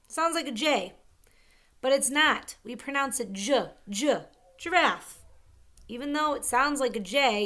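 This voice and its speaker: A woman leads a reading lesson for young children with a bright, tense-edged voice set a little high. She talks slowly and sounds out each word with care, keeping an encouraging tone. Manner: slow, clear sounding-out of words; encouraging, upbeat teacher talk. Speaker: teacher. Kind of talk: early-grade reading lesson.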